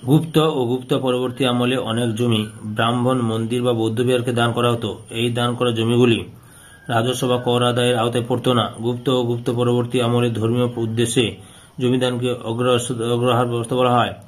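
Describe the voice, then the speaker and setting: A history teacher works through an exam paper, reading out questions and answers in a mid-range, level voice at a moderate pace. He repeats phrases as though dictating to his students.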